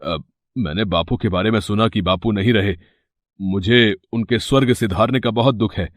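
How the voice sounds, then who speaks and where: A man's voice: on the low side, normal speed, no echo, studio quality, natural voice. A man voicing a greedy, scheming older brother. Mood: sly sorry. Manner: wheedling, fake crying. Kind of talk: Hindi cartoon voice acting.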